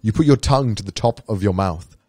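A young man co-hosting a casual podcast chat, telling stories animatedly and acting out what others said, on a boom mic in a small studio. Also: brisk, dry recording. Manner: animated storytelling, acts out quotes. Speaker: podcast co-host. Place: small neon-lit studio, seated on couch. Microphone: boom mic on arm.

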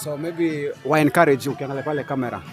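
A man's voice: on the high side, quick pace, over music. A young Kenyan man hosting a casual street interview outdoors, chatty, mixing Swahili and English slang. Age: young adult. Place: outdoors on a shop front bench.

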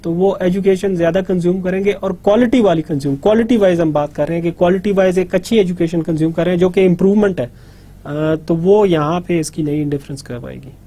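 This middle-aged university lecturer speaks Urdu natively and has a South Asian accent. Indoors in a studio, he explains a diagram as he draws it, his high, dark voice coming out rapid-fire yet a little hesitant.

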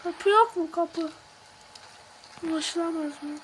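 A woman's voice: very high voice, slow pace, a little hiss or hum. A woman commenting on a horror game as she plays. She swears, mutters prayers when scared and shrieks when startled. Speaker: gamer.

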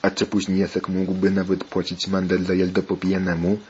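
A man voicing a stern, worried father who scolds his son, in a steady, insistent tone. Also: sits low, fairly quick, dull audio, a little hiss or hum, lightly acted. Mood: scolding.

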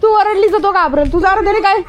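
A woman's voice: very high-pitched, brisk, a faint crowd, slight background noise. A woman, talking to her pet dog outdoors in a coaxing, repetitive, sing-song way. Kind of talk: casual coaxing talk to a dog.

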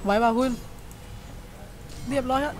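A man with a high voice giving excited, casual play-by-play commentary over a video game, full of exclamations. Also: measured pace, noisy background. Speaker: gameplay commentator.

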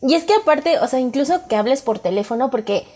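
A woman with a Mexican accent chats on a podcast in a bright, fairly high voice. She tells her stories with animation, acts out what people said, and laughs a lot along the way. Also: expressive, fast talker, slightly rough. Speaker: podcast co-host. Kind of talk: casual chat.

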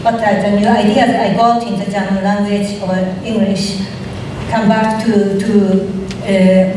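A middle-aged woman whose first language is Japanese, speaking thoughtful, halting English with a Japanese accent in an onstage literary conversation. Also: medium pitch. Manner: slow, thoughtful, halting non-native English with pauses. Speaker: writer being interviewed on stage. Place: large auditorium stage. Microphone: stand mic, recorded from far off. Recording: echoey hall from far off, audience noise.

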